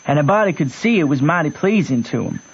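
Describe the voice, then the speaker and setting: A man's voice: on the high side, lively intonation, quick pace, breathy edge. An actor in a radio drama playing a shrewd country boy who narrates in a plain, folksy way with a Southern American accent. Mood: wry, matter-of-fact. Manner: folksy, matter-of-fact storytelling. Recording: dull lo-fi radio recording.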